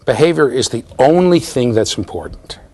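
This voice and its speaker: With a dark-toned, mid-range voice, a man in his fifties lectures at normal speed and with animation in a university classroom with bookshelves. He's an eager explainer who often checks in by asking "okay?" and "right?"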